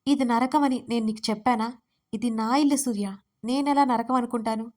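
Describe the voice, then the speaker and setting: A defiant young wife with a high, raised voice, voiced by a woman narrator of an audio story. She protests sharply and pushes back hard. It stays close to the narrator's own voice. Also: fairly even intonation, moderate pace, darkish tone, natural voice. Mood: upset.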